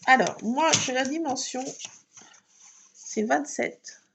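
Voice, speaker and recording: This woman talks casually to her audience while scrapbooking, narrating to herself as she goes and dropping in words like "voilà." She speaks slowly in a high, gravelly voice against a noisy background.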